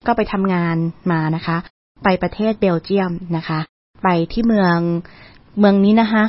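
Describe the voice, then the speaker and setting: A woman's voice: medium pitch, moderate pace, no room sound. A woman lecturer hosting a radio segment, telling a travel story in a chatty, polite way. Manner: chatty, polite, ends phrases with soft particles. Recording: dull lo-fi radio sound.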